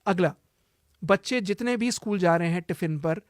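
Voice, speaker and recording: A man with a fairly high voice gives emphatic health advice as a cancer healer. He hammers his warnings home by repeating them and slips English phrases into his Hindi. The sound is close and dry, with no room around it. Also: moderate pace, no echo. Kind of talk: advice-giving interview talk.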